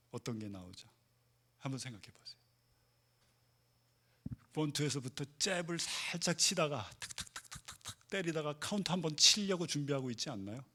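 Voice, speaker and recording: A man pastor giving a sermon, asking the congregation rhetorical questions and swinging between loud emphasis and hushed asides. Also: medium pitch.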